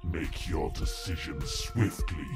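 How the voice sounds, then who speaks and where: A man playing a menacing, implacable skeletal fae knight in an audio drama, speaking portentously. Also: extremely low pitch. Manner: slow, portentous. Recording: music behind the voice.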